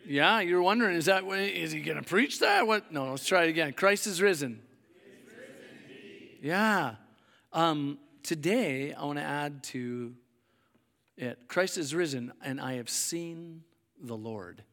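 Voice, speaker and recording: A middle-aged man from Canada, a pastor with a hoarse voice, preaching a sermon in a casual, rambling way with many fillers and restarts. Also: fairly high pitch, a little slow, sharp tone. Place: church hall. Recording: long hall reverb.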